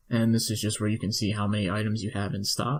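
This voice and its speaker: His pitch fairly low, a man speaks with fairly even intonation. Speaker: online tutorial creator. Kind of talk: tutorial. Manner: slow-paced; casual, with filler words.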